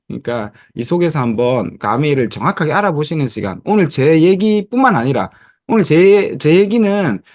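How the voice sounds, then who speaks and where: A man's voice: mid-range voice, no echo, studio quality. A man in his fifties giving a motivational presentation over a video call. He tells his story with many fillers and acts out the dialogue of others. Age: 50s. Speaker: network marketing presenter.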